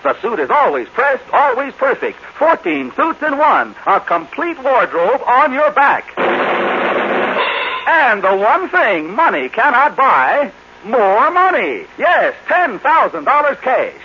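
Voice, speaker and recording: An actor playing an excitable American game show announcer with grandiose, emphatic delivery on a 1950s radio drama. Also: male voice, extremely high pitch, slow pace, exaggerated voice. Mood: grand, excited. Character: showy, excitable male giveaway show announcer. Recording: hissy, dull 1950s radio recording.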